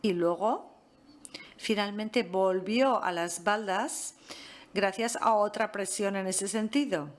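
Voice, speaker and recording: A woman from France giving a master class, speaking in a measured way with frequent pauses and fillers. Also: a little high. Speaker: guest lecturer.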